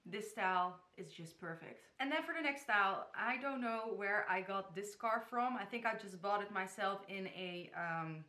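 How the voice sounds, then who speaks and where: This hijab tutorial vlogger, a young woman from the Netherlands, chats to camera in her echoey bedroom while demonstrating styles. She speaks at a normal speed with few pauses, her medium-pitched voice sharp; she giggles often, talks a lot, and trips over place names.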